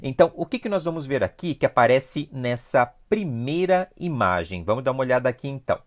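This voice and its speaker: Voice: medium pitch, very animated, fairly quick. A teacher with a Brazilian Portuguese accent gives an online review class. They explain step by step, repeat key points and often stop to check in with a questioning "sim?". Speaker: Spanish teacher.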